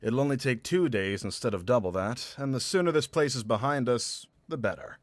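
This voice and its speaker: A man's voice: medium pitch, brisk, natural voice. An actor playing a seasoned, wary male traveling companion in a visual novel, with a laid-back, understated delivery. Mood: resigned.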